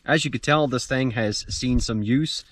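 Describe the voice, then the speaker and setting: A man's voice: medium pitch, moderate pace, a bit bright, no echo. A man giving a casual, plain-spoken product review to camera as the host, blunt in his judgments. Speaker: host of a gear review show.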